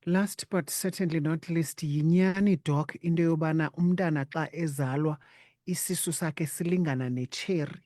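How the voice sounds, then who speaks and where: A woman's voice: low voice, normal speed, dark tone, no room sound, studio quality. A woman with a South African accent hosting a conversational interview and putting questions to a guest. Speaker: interviewer, host.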